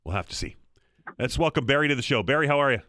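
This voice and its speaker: A man's voice: medium pitch, lively intonation, quick pace, bright, forceful tone, no echo. A man hosting a call-in radio talk show, talking conversationally with frequent restarts, recovering from a slight cold.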